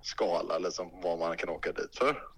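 A man's voice: deep voice, breathy edge, no echo, low-quality recording. A man in casual podcast chat, rambling and hesitant with lots of fillers.

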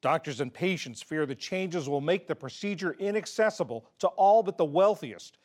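A male news anchor reading scripted headlines and story introductions in a measured broadcast delivery. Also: a little high, animated, a little mellow.

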